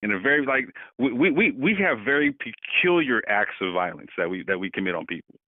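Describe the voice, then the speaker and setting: A man's voice: on the low side, very animated, a little fast, no room sound. A man co-hosting a casual political discussion, talking animatedly and repeating words as he builds his points. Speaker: podcast co-host. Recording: tinny phone-line sound.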